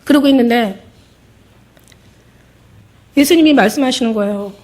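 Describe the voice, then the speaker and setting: A woman's voice: fairly high pitch, moderate pace, a little mellow. A middle-aged woman pastor giving an emotional testimony sermon, acting out the voices in her story.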